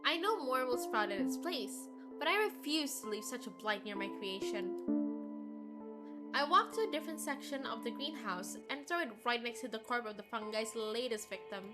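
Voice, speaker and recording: A woman's voice: fairly high pitch, expressive, moderate pace. A woman game streamer reading visual novel narration aloud and commenting casually. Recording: music behind the voice. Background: game music.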